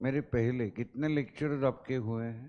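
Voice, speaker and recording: Here a man has a normal speaking voice, medium in pitch, with ordinary pitch variation. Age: 50s. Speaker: teacher. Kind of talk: lecture. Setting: classroom.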